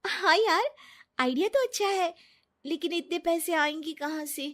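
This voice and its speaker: A woman's voice: very high-pitched, measured pace. A woman voicing a trusting, friendly young wife in a story dialogue.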